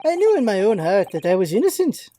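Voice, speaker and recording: A man voicing a smooth, genial, self-righteous gentleman in a video game. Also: high-pitched, sing-song, fast, a little hiss or hum. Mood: genial, self-assured.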